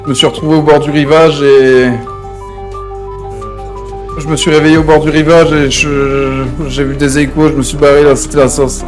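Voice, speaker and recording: A man's voice: on the high side, flat delivery, normal speed, music in the background. A man streaming an online roleplay game, talking in casual, slangy improvised chat with frequent swearing and repeated pet phrases. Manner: repeats verbal tics, swears freely.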